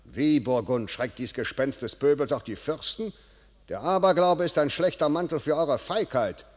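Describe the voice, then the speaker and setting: An actor playing a proud, scornful English field commander in a classical verse radio play, with biting, authoritative declamation. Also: male voice, on the high side, lively intonation, normal speed. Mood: scornful, accusing. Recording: long reverberant hall sound.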